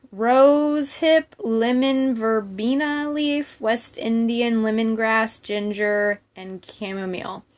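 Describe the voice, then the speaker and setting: A woman chatting casually to viewers as a livestream host, candid and rambling in a giggly, informal way. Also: a little high.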